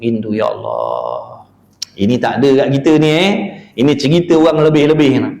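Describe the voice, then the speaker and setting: A man's voice: a little high, fast, darkish tone. A man giving a dawn religious lecture in a neighbourhood prayer hall, talking in a colloquial, chatty way and asking rhetorical questions. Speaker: religious teacher.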